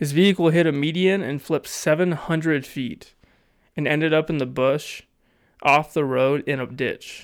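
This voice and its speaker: A plain, everyday voice from a man, fairly high in pitch, at a fairly slow pace with fairly even intonation, on a very clean recording with a silent background. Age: 20s. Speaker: sports podcast host. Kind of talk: casual solo podcast monologue.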